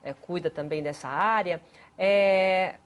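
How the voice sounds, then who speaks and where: A woman's voice: lowish voice, slow. A woman TV host, interviewing a guest in a chatty manner with playful asides. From Brazil.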